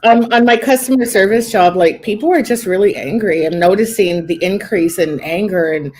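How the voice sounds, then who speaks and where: Raspy Canadian woman chatting. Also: mid-range voice, normal speed, a little mellow. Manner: laughing, frank, stammers into sentences. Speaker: guest performer. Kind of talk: casual podcast chat.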